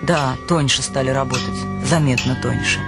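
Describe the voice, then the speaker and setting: A man narrating a literary radio play in a measured, expressive way. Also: medium pitch, gravelly. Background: music.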